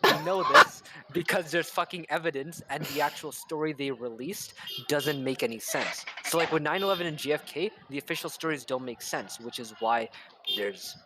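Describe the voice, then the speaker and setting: A man's voice: on the high side, moderate pace, very noisy. A man chatting on a livestream as a guest, blunt and argumentative and swearing freely. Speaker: stream guest. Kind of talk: casual livestream chat.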